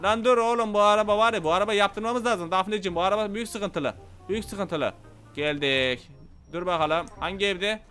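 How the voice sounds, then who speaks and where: A man giving loud, playful gameplay commentary, shouting at the game's characters as he plays. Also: high-pitched, brisk, faint music behind. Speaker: gaming channel host.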